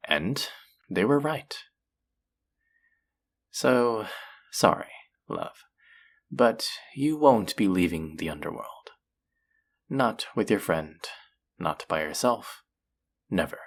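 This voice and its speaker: A flirty demon of an underworld casino , acted by a man, speaks slowly in a roleplay audio drama, with pitch that swoops and slides. He is seductive and possessive, stretching his phrases to tease and taunt the listener. Gravelly fry runs through the voice. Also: animated, heavily acted.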